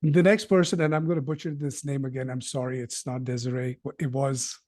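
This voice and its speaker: A man's voice: mid-range voice, little pitch movement, fairly quick, darkish tone, dry recording, studio quality. A man hosting a group video call from his dining table, talking bluntly and swearing freely. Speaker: host.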